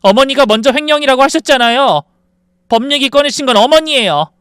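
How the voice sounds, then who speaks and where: A smug, scheming young daughter-in-law, as a man puts her on, coldly polite and defiant. The voice is high, smooth and clear, set in a dry, close recording. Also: lively intonation, a little fast, fairly bright tone, no room sound. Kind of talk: dramatized story reading.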